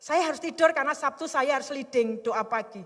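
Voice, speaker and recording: A woman's voice: high-pitched, fairly quick, a bit bright. A middle-aged woman pastor preaching a sermon with emphatic, heartfelt delivery. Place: worship service in a hotel hall. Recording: long hall reverb.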